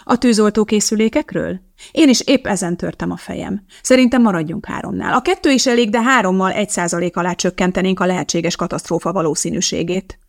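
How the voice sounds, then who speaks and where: A woman's voice: medium pitch, vocal fry, natural voice. A woman reading as a blunt, precise woman chemist. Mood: earnest. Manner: matter-of-fact, lecturing.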